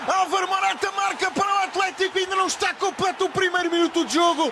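Over noticeable background noise, a man speaks in a raised, projected voice with an animated, excited tone. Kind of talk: live football commentary, play-by-play. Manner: animated, fast, excited on goals.

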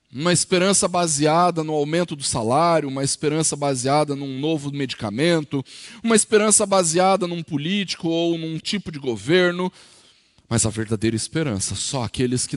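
A man speaks in a warm tone at a moderate pace. The background is quiet. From Brazil. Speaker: Presbyterian pastor. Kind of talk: sermon, preaching with prayer and scripture reading. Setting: church with congregation. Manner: earnest, warm, exhortative; rhetorical questions to the congregation, addressing them as dear ones. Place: church. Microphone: headset.

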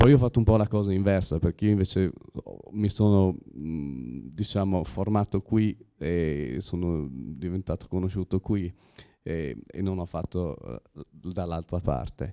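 The voice has a dark, mellow tone and lively intonation. It moves at a fairly slow pace over a quiet background. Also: man, very deep, low pitch for a man. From Italy. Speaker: jazz guitarist and producer; guest. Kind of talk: panel discussion. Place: hall. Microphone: handheld.

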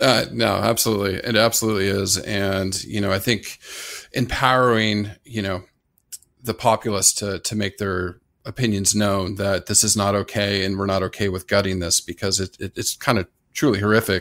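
Speaking in a Californian accent, a man with a fairly low pitch keeps a moderate pace and a fairly even intonation. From Southern California. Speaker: podcast host. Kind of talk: interview.

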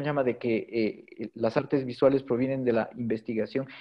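A man with a normal speaking voice talks at medium pitch and a moderate pace, his intonation fairly even, over a quiet background. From Bolivia. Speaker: theatre director; invited theatre artist on panel. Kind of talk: panel discussion. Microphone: video call.

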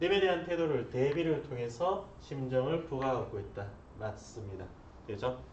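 Amid light background noise and audible room echo, a man speaks at a moderate pace with lively intonation. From South Korea. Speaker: Korean language tutor; Korean language teacher. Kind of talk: lecture. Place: classroom.

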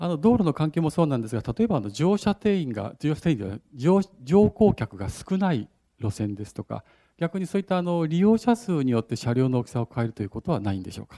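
Over a quiet background, a man with a dark, mellow tone and fairly high pitch talks at a fairly quick pace, with very wide pitch swings and big swings in loudness. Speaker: city councillor. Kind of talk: council committee questioning. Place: meeting room. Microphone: podium.

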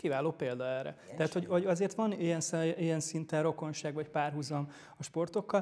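Speaking at a very fast pace, a man has a fairly high pitch. His intonation stays fairly even. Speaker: esports federation official. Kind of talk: panel discussion. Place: studio.

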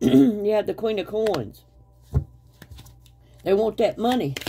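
Over background music, a woman uses lively intonation at a medium pitch and a moderate pace. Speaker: tarot reader. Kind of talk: tarot reading.

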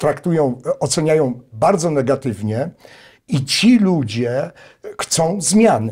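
At a very slow pace, a somewhat breathy voice with a dark, mellow tone speaks over a quiet background. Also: man. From Poland, Tarnów (Lesser Poland); Poland. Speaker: mayoral candidate; candidate. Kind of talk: interview. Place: studio. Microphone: lapel.

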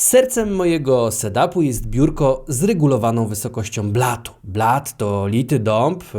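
A man with a medium pitch talks at a fairly slow pace with hardly any pauses. His intonation is lively. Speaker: YouTuber and entrepreneur. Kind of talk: desk setup video presentation. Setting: home office desk.

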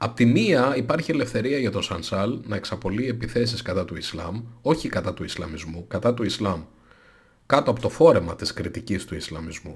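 Lively intonation colors a man's somewhat breathy delivery. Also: moderate pace, quiet background. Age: 40s. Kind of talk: opinion commentary. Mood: critical, argumentative. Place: home room. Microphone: studio mic.

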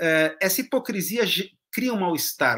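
At a moderate pace, the voice has a bright, sharp tone and lively intonation over a quiet background. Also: man. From Brazil, Santos (São Paulo state); São Paulo state, Brazil. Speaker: blogger and live stream host; blogger, live stream host. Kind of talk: casual live stream commentary. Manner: hesitant, repeats words. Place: home room. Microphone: webcam.

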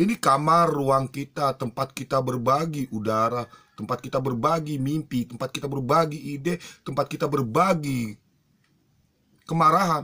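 Against a quiet background, a man with a bright, sharp tone speaks at a fairly high pitch with ordinary pitch variation. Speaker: poet reading own poem. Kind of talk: poetry reading. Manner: slow, measured, lyrical cadence with long rhythmic repetition; solemn, contemplative. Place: home room. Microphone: webcam.

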